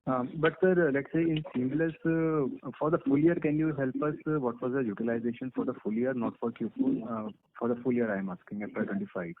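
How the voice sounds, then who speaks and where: A man's voice: medium pitch, fairly quick, hardly any pauses. A man with an Indian accent politely questioning management as an analyst on an earnings call. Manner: polite, deferential. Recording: noisy, crackly phone line with clicks.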